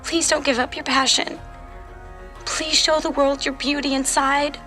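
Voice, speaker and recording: A woman's voice: high-pitched, level tone, a little slow, sharp tone, soft background music. A woman voice actor playing a pleading, affectionate teenage daughter in a podcast drama. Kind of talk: fiction podcast voice acting.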